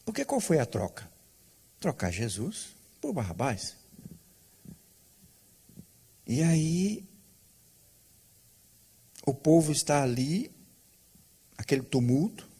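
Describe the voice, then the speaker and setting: Husky pastor preaching with lively pitch. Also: male voice. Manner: storytelling preaching with rhetorical questions. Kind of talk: sermon.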